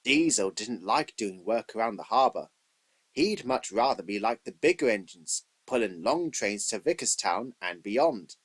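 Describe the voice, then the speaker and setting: A man's voice: lowish voice, expressive, a little slow, slightly rough. A man reading scripted narration for a children's train story as its storyteller.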